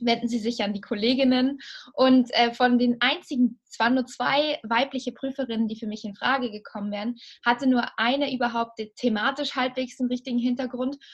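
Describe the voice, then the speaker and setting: Her pitch is high for a woman, and her intonation is monotone and flat. She speaks at a moderate pace. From Austria, Salzburg. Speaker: author and menstruation activist. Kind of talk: interview conversation. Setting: studio, face to face.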